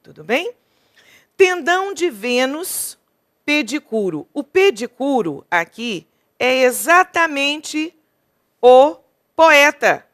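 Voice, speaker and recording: A woman's voice: sits high, sing-song, fairly bright tone. A woman from Brazil teaching an exam-prep literature class, reading a sonnet aloud and counting its syllables for the students. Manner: slow and deliberate, counts syllables aloud, asks the class questions.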